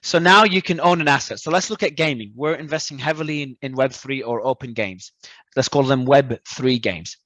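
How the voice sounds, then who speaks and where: A man from Australia, a guest talking in an animated, emphatic way and often repeating words as he restarts. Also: medium pitch, fairly quick, no echo. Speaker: crypto entrepreneur guest. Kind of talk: casual interview talk.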